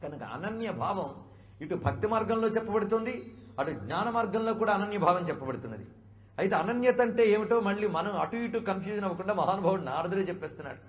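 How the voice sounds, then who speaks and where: A man giving a devotional discourse, explaining patiently and asking many rhetorical questions, sometimes gently chiding his listeners. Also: high-pitched, lively intonation, quick pace. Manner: chiding, conversational. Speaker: spiritual speaker.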